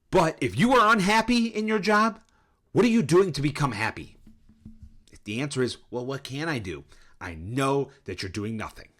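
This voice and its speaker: A man's voice: medium pitch, fairly bright tone. A middle-aged man and life coach giving an intense, preachy motivational rant straight to the viewer, worked up and sweating. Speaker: life coach and channel host.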